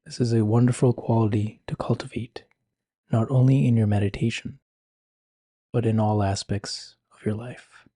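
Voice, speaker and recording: A man speaking slowly and gently with long pauses, guiding a meditation in a soft, breathy voice. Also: fairly low pitch, steady tone, dry recording, studio quality. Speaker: meditation guide. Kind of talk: guided meditation.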